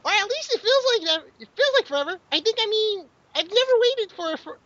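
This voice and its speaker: A woman's voice: very high-pitched, expressive, fast, a bit bright, no echo, muffled recording. A woman doing a giddy rambling pony girl. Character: bubbly hyper young pony girl. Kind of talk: amateur fanfic table read.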